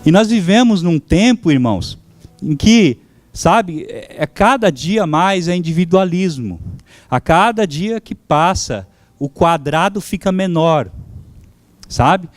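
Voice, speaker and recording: A man's voice: sits high, animated, slow pace, dry recording. A man whose first language is German, preaching a sermon as pastor, fervent and calling out to his congregation.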